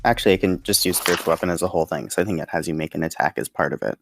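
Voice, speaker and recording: A man's voice: sits low, very fast, vocal fry, fairly bright tone, faint music behind. A man playing a tabletop role-playing game, talking casually as a player. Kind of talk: casual game chat, some in-character narration.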